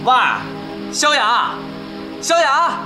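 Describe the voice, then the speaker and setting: A man's voice: very high-pitched, extremely slow, full character voice. An actor playing a young army colonel at the front, restrained and longing for his sweetheart, in a war drama. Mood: urgent calling. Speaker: army officer. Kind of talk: war television drama acting. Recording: music over the dialogue. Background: background music.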